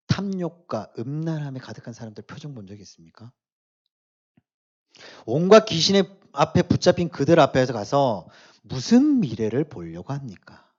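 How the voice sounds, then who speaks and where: A man preaching to a church youth group, shifting between quiet asides and loud emphatic exhortation, often asking his listeners questions. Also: a little high, dull audio. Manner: casual, speaks directly to the youth with questions. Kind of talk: sermon to teenagers.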